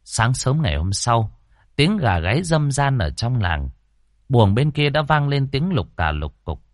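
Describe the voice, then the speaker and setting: A man narrating a ghost story in an expressive reading. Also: medium pitch, unhurried, no echo, studio quality.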